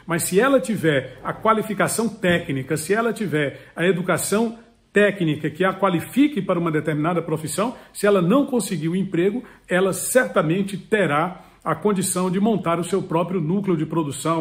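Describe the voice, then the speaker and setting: A man in his fifties with a noticeably high voice lays out advice step by step. He sounds earnest and didactic and hammers key words through repetition. He is recorded close up in a home study. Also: fairly quick. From Piauí, Brazil. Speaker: political commentator and channel host. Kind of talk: direct-to-camera advice talk. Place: home study with full bookshelves. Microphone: webcam or phone close up, head and shoulders.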